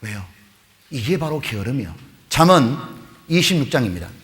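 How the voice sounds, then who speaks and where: A man preaching to a youth retreat, telling a story with animated voices for the mother and the kids. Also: mid-range voice, moderate pace. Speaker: pastor. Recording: long hall reverb.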